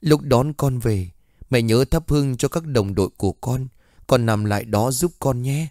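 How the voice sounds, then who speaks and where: A man's voice: mid-range voice, moderate pace, mellow, dry recording, studio quality, lightly acted. A man reading a story and voicing a stranger who claims to be a fallen soldier's spirit, speaking in a pained, pleading way.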